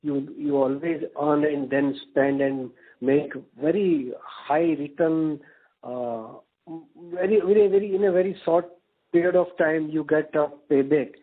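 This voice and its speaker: A man asking a question as an investor on an earnings call, halting and deferential. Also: on the high side. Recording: phone-like conference line.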